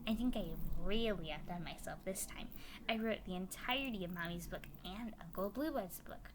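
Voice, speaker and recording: A woman's voice: mid-range voice, normal speed, background noise. A woman narrating a fan story as a dramatic reading. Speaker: story reader.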